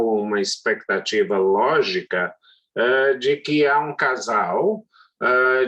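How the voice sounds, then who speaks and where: Male law lecturer, middle-aged, unhurried and halting, mid-pitched. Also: a bit bright, lo-fi sound. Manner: slow, hesitant, many drawn-out fillers. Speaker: law professor. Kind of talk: university lecture.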